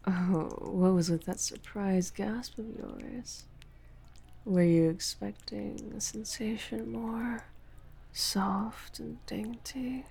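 Woman acting as menacing possessive female lover, breathy whisper, slow teasing delivery, creaky edge, intimate audio roleplay. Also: medium pitch, fairly even intonation, mellow, heavily acted. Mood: smug, menacing. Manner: slow, teasing, commanding, profane.

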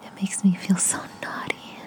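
A woman speaking in a breathy, intimate whisper directly to the listener in an erotic audio monologue. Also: moderate pace, a little mellow. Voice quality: breathy, mostly unvoiced whisper. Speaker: amateur erotic audio performer.

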